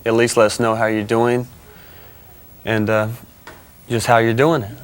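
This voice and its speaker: A man as a guest on a talk show, speaking haltingly and plainly with many pauses. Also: mid-range voice, flat delivery, clear, resonant tone. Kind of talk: emotional interview answers. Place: television studio.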